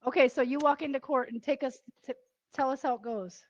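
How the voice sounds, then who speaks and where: A woman's voice: high voice, steady tone, fairly quick, no room sound, highs cut off. A woman interviewer asking short, prompting questions.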